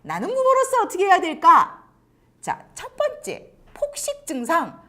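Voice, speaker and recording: A woman with a high voice gives parents advice in a lecture. Her pitch leaps up and down all the time, and she acts out little scenes. Now and then her voice sinks almost to a whisper to stress a point. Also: a little slow. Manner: animated, acts out quoted lines; drops to near-whispers for emphasis. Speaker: education commentator and host.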